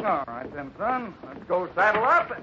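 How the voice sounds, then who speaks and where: Steady, lively-toned cowboy leader. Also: male voice, high-pitched, moderate pace, over music. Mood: fatherly. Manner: assured, plain-spoken. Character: steady, fatherly, hospitable cowboy ranch leader. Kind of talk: 1950s radio acting. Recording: muffled, noisy old radio recording.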